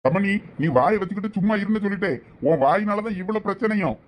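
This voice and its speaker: A man's voice: sits high, quick pace, close to an everyday voice. A man voicing a firm middle-aged husband. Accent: Thoothukudi Tamil. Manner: firm, calming authority. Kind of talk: cartoon family drama voice acting.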